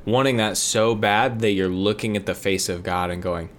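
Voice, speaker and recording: Really deep-voiced guy, reflective, lots of likes and ums, faint hiss. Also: fairly even intonation, normal speed. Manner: reflective, frequent verbal fillers. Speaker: podcast co-host. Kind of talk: casual faith discussion.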